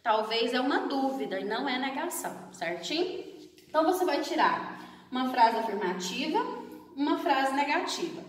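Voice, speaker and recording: A woman with a Brazilian Portuguese accent, a primary school teacher, slowly explaining a grammar lesson for children and enunciating each word with care. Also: sits high, big pitch swings. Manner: slow, drawn-out, over-enunciated explanation with frequent check-ins. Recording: echoey room, distant from the mic.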